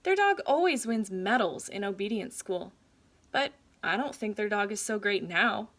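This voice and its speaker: A woman reading a children's story aloud like a teacher, with deliberate, dramatic phrasing for young listeners. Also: medium pitch, lively intonation, fairly bright tone.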